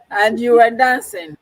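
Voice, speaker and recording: Female live-show host, animated and encouraging. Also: a little high, slightly rough. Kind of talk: live talk-show hosting.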